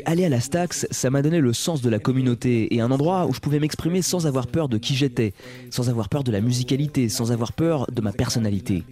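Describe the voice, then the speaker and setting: A male voice-over reads a translation of an interview in a calm, steady way. His tone is dark and mellow. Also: medium pitch, fast talker.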